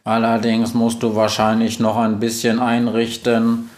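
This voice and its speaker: A man voicing a cheeky, mischievous talking machine that speaks slowly and smugly. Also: medium pitch, completely flat delivery, a little mellow, natural voice. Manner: slow, smug, teasing.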